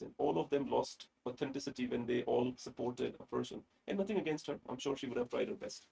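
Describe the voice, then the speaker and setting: A man hosts a casual interview, his voice gravelly and slightly high. He speaks earnestly and emotionally, pausing now and then to search for a word. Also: warm tone, poor audio. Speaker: podcast host.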